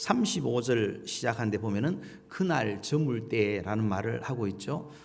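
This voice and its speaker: There is noticeable background noise and audible room echo as a man speaks fairly slowly with lively intonation. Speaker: pastor. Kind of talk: sermon. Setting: church.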